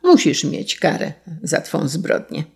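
A woman voicing a small, righteous male sparrow who takes revenge, declaiming in a high, stern voice. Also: big pitch swings, slow pace, creaky, a little mellow, breathy edge, full character voice. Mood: vengeful.

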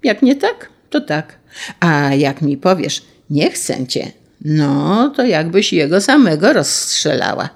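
A woman's voice: low-pitched, big pitch swings, takes it slowly, vocal fry, exaggerated voice. A woman voicing a sweet-voiced, menacing male tsarist general who speaks with a drawling, sing-song delivery.

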